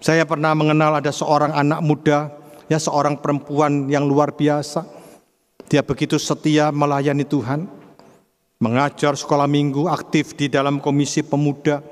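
High-voiced dramatic male preacher. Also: long reverb tail. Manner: dramatic, swings between soft and loud. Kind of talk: sermon.

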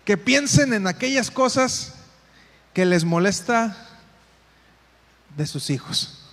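Slow-paced and animated, this man has a high, fairly bright voice and a Mexican Spanish accent. Guiding parents through a live group exercise, he directs them firmly, calls individuals by name, and repeats his instructions, all recorded with reverberant hall acoustics.

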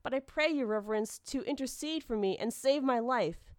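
A woman's voice: mid-range voice, lively intonation, measured pace, darkish tone, no echo, clean studio sound, natural voice. A woman voicing an obstinate young man in an emphatic, theatrical storybook reading with archaic phrasing. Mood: piteous pleading. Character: Tokutaru, obstinate young man, mocking then piteously pleading.

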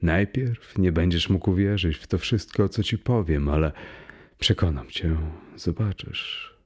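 A warm, joyful young man from a storybook, his voice low and deep, as a male reader puts him on. He talks slowly and gently, dropping to a near hush in his quieter moments. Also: breathy edge. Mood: warm cheerful.

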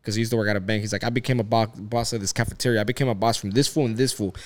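A man's voice: on the low side, fairly even intonation, racing. A man in his thirties in a casual chat, rambling along with lots of swearing and filler words. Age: 30s.

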